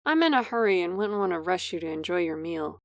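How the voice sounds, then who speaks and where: A woman's voice: fairly low pitch, animated, fast talker, dry recording, clean studio sound. A woman playing a poised, courteous, faintly condescending character with formal, polished speech in an audio drama. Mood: polite, cool. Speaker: voice actor.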